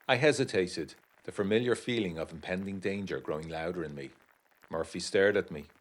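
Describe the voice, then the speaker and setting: Low, brooding male narrator. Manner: measured, brooding, literary storytelling. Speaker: first-person narrator of an audio drama. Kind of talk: scripted dramatic narration.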